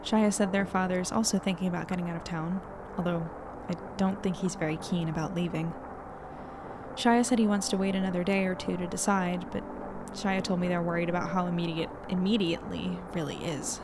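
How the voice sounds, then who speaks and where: A woman's voice: on the low side, steady tone, a little fast, noisy background, close to an everyday voice. A woman playing a practical, reflective young narrator in an audio drama, speaking casually. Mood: reflective, uneasy. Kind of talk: first-person audio drama narration and dialogue.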